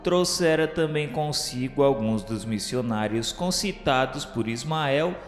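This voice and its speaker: A man reads scripted historical narration in a formal, measured, declamatory way, like a solemn radio drama narrator. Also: medium pitch, lively intonation. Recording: reverberant echoey hall sound with music. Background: music.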